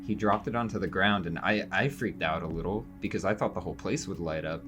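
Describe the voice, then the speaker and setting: A young man playing a shaken, earnest young witness in an audio drama, hesitant, halting and casual. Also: deep voice, lightly acted. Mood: uneasy recounting. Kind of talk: naturalistic audio drama acting.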